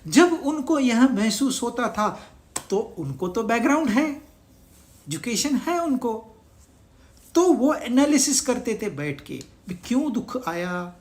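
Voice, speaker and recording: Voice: mid-range voice, sing-song, takes it slowly, darkish tone. A spiritual teacher giving a scripture discourse, asking the listeners rhetorical questions and mixing English words into the talk.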